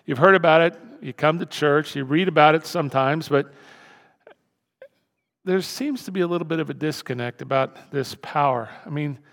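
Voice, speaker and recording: A male pastor preaching a sermon to his church, animated and repetitive, swinging from loud emphasis to hushed tones. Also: fairly high pitch, normal speed. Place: church sanctuary. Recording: reverberant church hall.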